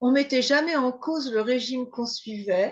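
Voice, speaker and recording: A woman with a high voice speaks at a fairly slow pace with ordinary pitch variation. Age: 60s. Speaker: client giving a testimonial. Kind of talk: testimony. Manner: hesitant, many fillers.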